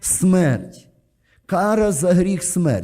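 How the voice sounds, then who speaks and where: A man speaks very slowly in a high voice with a dark, mellow tone and ordinary pitch variation. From western Ukraine (Lviv region). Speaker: pastor. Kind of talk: sermon.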